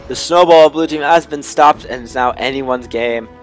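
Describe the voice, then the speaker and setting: A young man giving amateur play-by-play commentary on a video game, getting excitable and loud during fights. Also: medium pitch, moderate pace.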